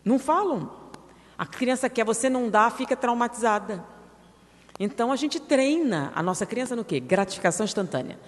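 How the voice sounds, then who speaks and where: A woman lecturing to an audience in a spiritist center hall. Her pitch rises and falls a lot as she keeps firing rhetorical questions back at the room. A long reverb trails after her words in the hall. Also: animated, moderate pace.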